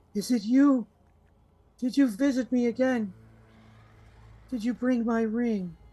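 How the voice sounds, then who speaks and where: A soft-spoken, female-sounding voice puts on a character voice at a high pitch. It moves at a fairly slow pace with long, frequent pauses. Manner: sorrowful, mournful.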